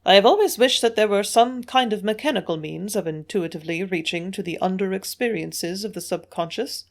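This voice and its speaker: A quiet, lean doctor, read by a woman, muses aloud in a measured, thoughtful way. He sounds detached and curious. An audiobook reading. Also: medium pitch, close to an everyday voice. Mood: musing.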